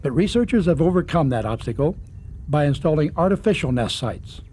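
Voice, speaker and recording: Mellow higher-voiced man narrating a nature documentary. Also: lively intonation, a little fast, slight background noise.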